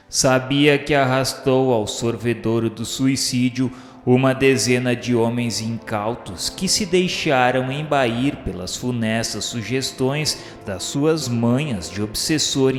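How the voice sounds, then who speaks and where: A man narrates a radio drama in solemn, literary phrasing. His mid-pitched voice rings with heavy echo and a long reverberant tail, with music playing behind it. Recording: echoing, reverberant hall sound with music. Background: background music.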